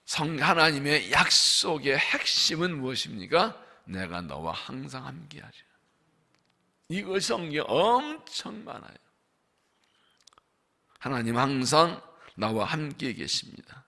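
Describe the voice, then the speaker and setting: A man preaching as senior pastor at a dawn revival service in a church, emphatic, asking the congregation questions and slowly stressing scripture lines. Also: on the high side, big pitch swings, creaky, sharp tone. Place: church sanctuary.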